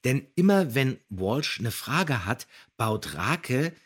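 A man's voice: mid-range voice, big pitch swings, slow, breathy edge. A man hosting a podcast, chatting about an audio drama in a hesitant, searching way. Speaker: podcast host.

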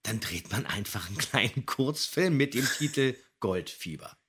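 A man's voice: medium pitch, expressive, moderate pace, fairly bright tone, breathy edge. A man co-hosting a podcast, giving casual commentary and background on a radio play. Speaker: podcast co-host.

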